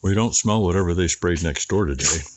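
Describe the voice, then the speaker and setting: A man's voice: sits low, brisk, a little mellow. A man who farms, talking casually and plainly in a folksy, rambling way while filming outdoors. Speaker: farmer vlogger. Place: outdoors on a farm near a barn.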